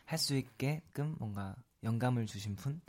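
A young man with a regional Korean accent talks as a guest on a radio show. His pitch sits in the middle. He speaks modestly and softly, and often laughs. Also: moderate pace. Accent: regional Korean dialect. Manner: modest, soft-spoken, laughs easily. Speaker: singer guest. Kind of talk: casual radio interview. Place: radio studio.

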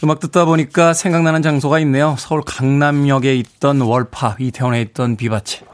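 A man's voice: medium pitch, steady tone, fairly quick. A man hosting a morning radio show in a studio, chatty and chuckling as he reads out listener texts. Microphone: studio microphone.

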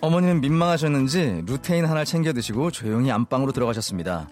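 A man's voice: mid-range voice, animated, fast talker, darkish tone, faint music behind. A man co-hosting a radio show, reading a listener's letter aloud.

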